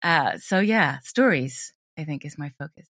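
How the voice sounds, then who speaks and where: Female interview guest, low-pitched, enthusiastic and conversational, dry recording. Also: lively intonation, normal speed, a bit bright, no echo. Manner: chatty, enthusiastic. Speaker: interview guest, drama teacher and audio drama creator. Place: at home, remote interview.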